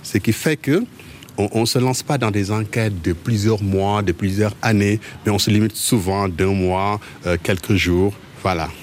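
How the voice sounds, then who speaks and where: Halting low-voiced man. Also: a little hiss or hum. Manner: halting, with frequent word repetitions. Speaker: journalist interviewee. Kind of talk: conversational interview answers.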